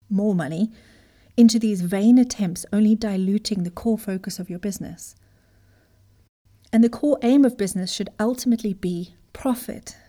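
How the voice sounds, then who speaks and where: A woman's voice: medium pitch, dark tone. A woman from Zimbabwe, a business coach, giving an earnest motivational talk that speaks straight to the listener. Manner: earnest, emphatic, direct address.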